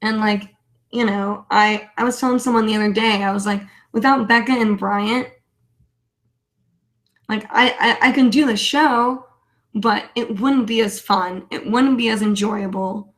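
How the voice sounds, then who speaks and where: A woman hosts a weekly live online hobby show, chatting casually in a rambling, self-deprecating manner. Her voice is medium in pitch and fairly bright, with fairly even intonation and a measured pace.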